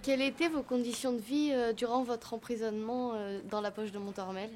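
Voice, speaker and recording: A woman's voice: on the high side, steady tone, fairly quick, darkish tone. A young woman asking a prepared interview question as a student, away from the microphone. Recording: distant from mic, noisy room ambience.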